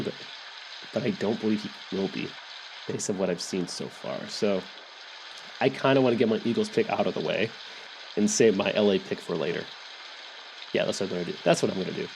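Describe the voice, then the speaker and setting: A man with a lowish voice talks casually as a podcast host, wandering through his thoughts and circling back to fix what he said. A faint hiss of rain sits behind him. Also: rough recording. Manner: rambling, thinking aloud, self-correcting. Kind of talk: casual sports picks monologue. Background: soft rain sounds.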